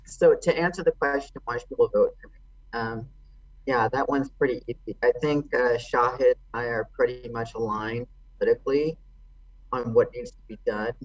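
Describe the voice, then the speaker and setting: A woman's voice: very deep voice, moderate pace, darkish tone, no echo. A woman speaks over a video call as her bad connection keeps chopping the audio in and out. The sound is dull and lo-fi from a laptop or phone mic, and she talks in an easygoing, apologetic way. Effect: internet call audio cutting in and out. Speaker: election challenger. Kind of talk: casual talk on a video call. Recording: lo-fi dropping internet call audio.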